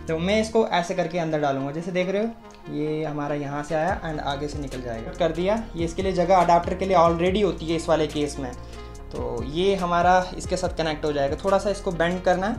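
A young man, chatting step by step as he demonstrates gear at a desk. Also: on the high side. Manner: chatty, explains step by step, mixes English words. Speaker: moto vlogger. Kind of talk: casual tutorial demonstration. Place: small room at a desk.

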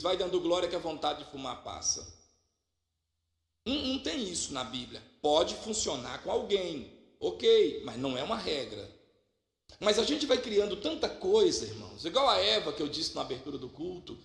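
Mineiro pastor preaching in an echoey church, gravelly voice, jokey, loud then low. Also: male voice, big pitch swings, moderate pace. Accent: Minas Gerais Portuguese. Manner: swings between loud exclamations and low asides, humorous. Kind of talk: lively sermon with storytelling. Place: church hall.

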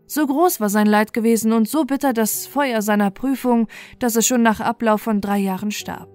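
A woman's voice: on the high side, moderate pace, darkish tone, no echo. A woman storyteller reading a scripted fairy tale as bedtime narration. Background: music.

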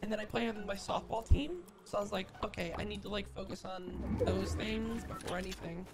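A man's voice: high-pitched, brisk, over loud music. A man using a voice changer to play a shy, chatty teenage girl gamer; the voice sounds staticky and slightly robotic, full of fillers and restarts. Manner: rambling with many fillers and restarts. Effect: glitchy voice changer. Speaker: streamer pranking players.

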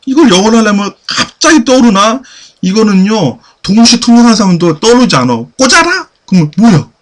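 A man teaching a basic English class, repeating phrases slowly and pushing students to answer. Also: sits high, expressive. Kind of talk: classroom lecture.

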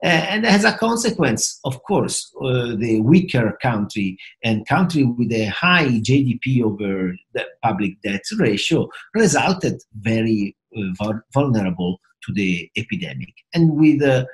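A middle-aged man speaks English with an Italian accent at a medium pitch. He explains things like a professor, in a halting, searching delivery full of repeats and hesitations. He is talking to a computer webcam in a small home office. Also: very animated, low-quality recording. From Italy. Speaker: professor of finance and risk management. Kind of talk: explanatory talk to camera.

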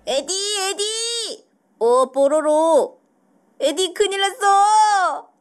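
A woman's voice: very high voice, lively intonation, very slow, faint music behind, pitched above the performer's own voice, full character voice. A woman voicing an earnest, brave little boy penguin in a children's toy cartoon. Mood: urgent, earnest.

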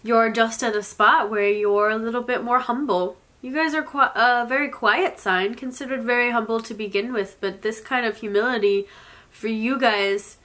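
Sniffly young woman giving a soft tarot reading. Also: a little high, fairly even intonation. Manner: soft, slow and reflective, with occasional small laughs. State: sniffly with a cold. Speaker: tarot reader. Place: indoors, in front of a floral blanket.

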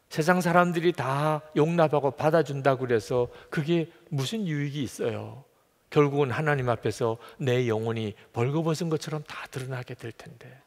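A pastor preaching a sermon, shifting from hushed, near-whispered lines to raised, emphatic ones. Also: male voice, mid-range voice. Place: church sanctuary. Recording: long hall reverb.

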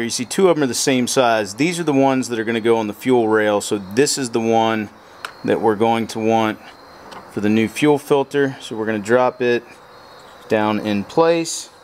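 Working by hand at a pickup truck bed outdoors, this motorcycle repair how-to host explains a repair plainly, one step at a time. He speaks with a fairly low pitch and a darkish tone, over slight background noise.

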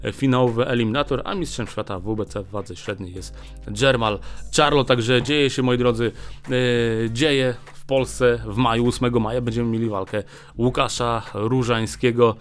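Speaking into a desk microphone on a small stand, a man with a medium-pitched, steady voice hosts a boxing news show from a small studio backed by boxing imagery. His casual commentary is chatty and frequently broken by "e" fillers.

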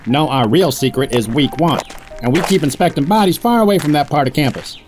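A man's voice: fairly high pitch, animated, a little fast, a little mellow, soft background music, natural voice. An actor playing a smug, unscrupulous corporate boss in an audio drama, with a pompous salesman's manner. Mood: smug, assured. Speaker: corporate head of a facility.

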